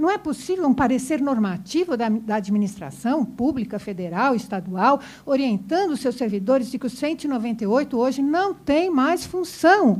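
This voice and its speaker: Her pitch high and swinging very widely, a woman talks with hardly any pauses. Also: moderate pace. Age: 60s. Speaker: tax lawyer. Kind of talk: panel discussion remarks. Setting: workshop with audience.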